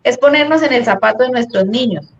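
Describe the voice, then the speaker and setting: A woman's voice: fairly high pitch, a little fast. Woman psychologist, lo-fi stream. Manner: explains patiently, acts out little quoted scenes. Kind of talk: explanatory live-stream talk on parenting. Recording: dull lo-fi stream audio.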